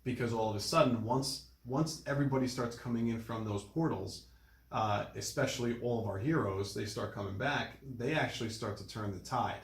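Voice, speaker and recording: A man hosting a casual movie discussion, retelling scenes in an animated way with repeated phrases. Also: mid-range voice, a little fast, vocal fry. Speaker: podcast host. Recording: roomy, echoing room sound.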